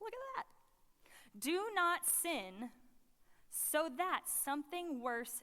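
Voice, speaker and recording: Her voice raised and projected, a woman speaks with a bright, sharp tone and very wide pitch swings. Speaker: pastor. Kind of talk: sermon. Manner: animated.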